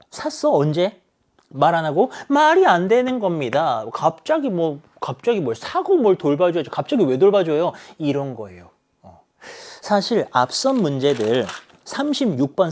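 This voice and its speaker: A man teaching an English exam lesson, animated, acting out characters' lines and asking rhetorical questions. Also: fairly high pitch. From South Korea. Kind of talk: exam explanation lecture.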